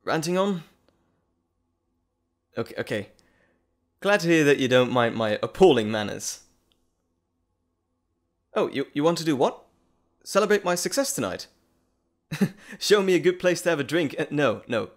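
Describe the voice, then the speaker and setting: Audio roleplay role, male actor: scholarly gentleman doctor, bashful and well-mannered, eager to ramble, articulate, very varied pitch. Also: lively intonation, a little slow, pauses often, lightly acted. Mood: sheepish. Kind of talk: audio drama roleplay acting, addressing the listener.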